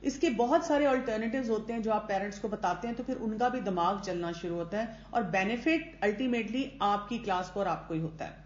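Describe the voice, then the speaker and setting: A woman's voice: mid-range voice, few pauses. Woman teacher trainer in an echoey room. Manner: conversational, mixes English words into Urdu, acts out parents' and teachers' lines. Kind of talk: lecture to teachers. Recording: echoey room, dull lo-fi sound.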